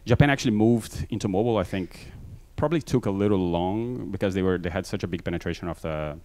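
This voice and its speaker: A man with a low voice and a Brazilian accent, mixed from living in many countries, speaks into a handheld mic on a large conference stage. He talks fast and loose, with constant fillers and self-deprecating asides. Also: darkish tone. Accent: Brazilian Portuguese mixed. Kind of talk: conference talk.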